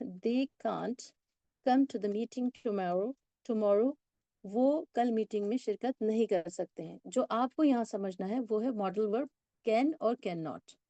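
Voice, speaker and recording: A woman teaching a spoken English lesson, patiently explaining and reading example sentences slowly, word by word. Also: medium pitch, mellow, no echo, lo-fi sound.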